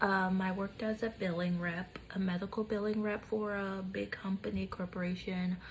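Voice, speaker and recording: A woman speaks at medium pitch in a somewhat breathy voice. She keeps a moderate pace with hardly any pauses. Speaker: lifestyle vlogger. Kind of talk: casual vlog monologue. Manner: animated, filler-heavy.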